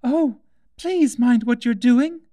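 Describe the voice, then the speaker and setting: Storybook girl, polite and timid, pitched very high, a man puts her on, dry close sound. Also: expressive, normal speed, warm tone, dry recording. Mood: anxious. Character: polite curious young girl.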